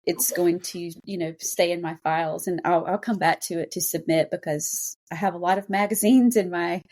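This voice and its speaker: A woman's voice: on the low side, fairly even intonation, normal speed, darkish tone. A woman co-hosting a writing podcast, talking in a casual, candid and chatty conversational way. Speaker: podcast co-host and fiction writer.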